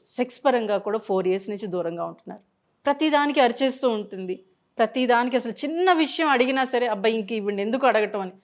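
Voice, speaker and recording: A woman counselor giving a health advice talk to camera, explaining through patient stories and mixing in English words. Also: a little high.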